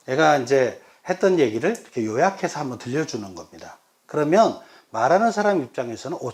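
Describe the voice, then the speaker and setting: A middle-aged pastor lectures a workshop group, his voice rising and falling with lots of movement. He sits a little higher than most men and breaks into short acted-out exchanges to make his points. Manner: animated, acts out quoted voices of children and elders. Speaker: pastor giving a coaching workshop. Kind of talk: lively lecture with acted example dialogues.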